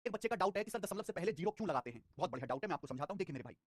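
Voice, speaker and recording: In a studio-quality recording with no echo, a high-pitched young man teaches a live math class online. He talks rapidly and animatedly, repeats numbers and phrases over and over, and scolds students with life advice.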